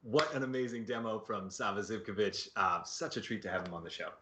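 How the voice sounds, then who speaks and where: A man's voice: fairly low pitch, fairly even intonation, fairly quick, pushed and bright. A man hosting a livestream show in a casual, conversational style. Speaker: show host.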